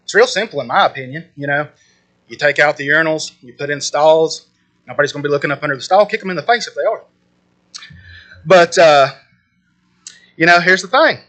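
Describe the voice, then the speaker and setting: A man's voice: a little high, fairly quick, long pauses, bright, forceful tone. A man giving an impassioned public comment in a meeting room, indignant and pointed as he addresses the crowd directly.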